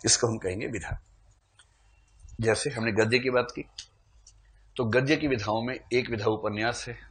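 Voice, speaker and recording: Humorous male teacher giving a lecture. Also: fairly low pitch. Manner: conversational and humorous, checks in with "है ना?". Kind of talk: classroom lecture.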